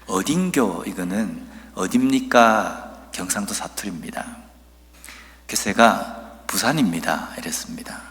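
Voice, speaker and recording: Low-voiced pastor with a Busan accent. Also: male voice, lively intonation, fairly bright tone, in a large hall. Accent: Busan dialect. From Busan, South Korea. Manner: storytelling, earnest and measured, with slow emphatic scripture reading. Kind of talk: sermon.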